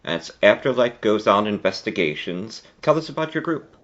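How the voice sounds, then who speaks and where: Low-voiced male interviewer with very animated pitch. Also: normal speed. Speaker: podcast host, interviewer. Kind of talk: prepared interview questions. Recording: dull lo-fi audio.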